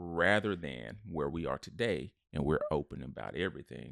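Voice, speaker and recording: A man speaks with a very deep, low pitch, lively intonation and vocal fry. The sound is dry and close, with no echo. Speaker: podcast co-host. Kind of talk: casual debate.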